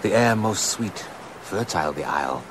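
A very deep-voiced reverent courtier. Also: male voice, animated, moderate pace, background noise. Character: courtier, traveller from the oracle.

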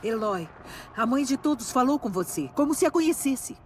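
An actress playing a devout, solemn old tribal matriarch in a video game, earnest and reverent. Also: female voice, sits high, animated, moderate pace, slight background noise. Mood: urgent, reverent.

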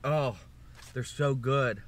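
A man's voice: medium pitch, slow pace. A man vlogging a food taste test, talking with his mouth full while chewing, savoring the food enthusiastically. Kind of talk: casual taste-test chat.

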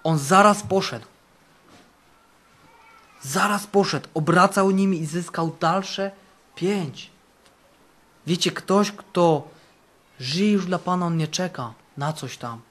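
Man preaching at a camp meeting, fervent, repeats himself for emphasis, raised pitch. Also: slow pace, pauses often. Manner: fervent, repeats phrases for emphasis, swings between loud and hushed. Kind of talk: sermon.

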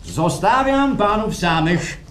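A man's voice: sits high, animated, slow, over loud music. An actor playing an unctuous, grandiloquent salesman in a radio play performed live, persuasive and theatrical. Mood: brisk, delighted. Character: grandiose, unctuous male salesman of engineered happiness. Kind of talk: radio play acting before a live audience. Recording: live stage recording with background noise.

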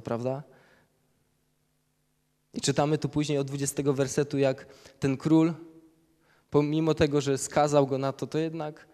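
Polish preacher in a reverberant hall. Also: male voice, medium pitch, mellow. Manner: reads scripture aloud, explains verse by verse. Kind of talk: sermon with Bible readings.

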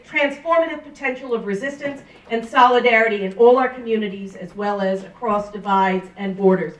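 Woman, middle-aged, passionate campus speaker, handheld mic; distant, roomy sound. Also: fairly high pitch. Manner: loud, emphatic, listing with rising stress. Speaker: professor reading a statement. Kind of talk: public speech at a campus event. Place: large lecture room. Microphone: handheld mic, far camera. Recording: roomy hall from far off.

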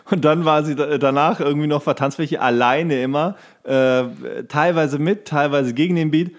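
A man's voice: fairly high pitch, moderate pace. A man co-hosting a podcast in casual chat, telling anecdotes in slangy, colloquial language. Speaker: podcast co-host.

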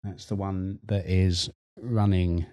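A middle-aged man hosting a screen-recorded tech tutorial, chatty and relaxed, repeating words as he works. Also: sits low, takes it slowly.

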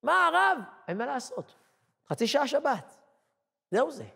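A rabbi, a man with a fairly high voice, tells a sermon story in short, dramatic bursts. His voice rings out with a long hall reverb. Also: big pitch swings, vocal fry, breathy edge. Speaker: rabbi and lecturer.

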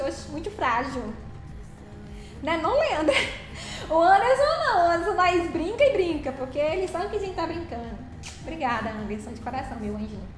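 High-voiced teasing woman streamer. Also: echoey room. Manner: playful, teasing, thanking viewers by name. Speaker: live streamer. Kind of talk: casual live-stream chat.

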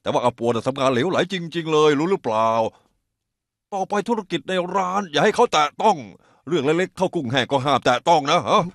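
An actor dubbing a blustering, grumbling boss of a family seafood shop in a TV drama. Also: male voice, fairly high pitch, animated, fairly quick, fairly bright tone, dry recording. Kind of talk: Thai dub of a TV drama. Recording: studio dub with music bed.

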